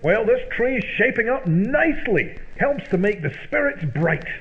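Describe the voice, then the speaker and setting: A man's voice: sits high, very animated, unhurried, heavily acted. A man acting as an eager, naive sidekick in an old-time radio comedy, with exaggerated gee-whiz delivery. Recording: dull lo-fi old-radio sound, music behind.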